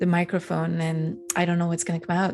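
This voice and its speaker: A woman's monotone, flat delivery over background music. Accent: French. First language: French. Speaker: spiritual channeler. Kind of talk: spiritual talk. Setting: home recording with microphone and camera. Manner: halting.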